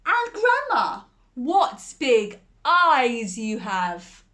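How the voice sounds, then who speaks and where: A woman voicing a small, innocent girl in a red hood in a storybook reading, in a high, sweet, wide-eyed way. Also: wildly swooping pitch, extremely slow, sharp tone, heavily acted.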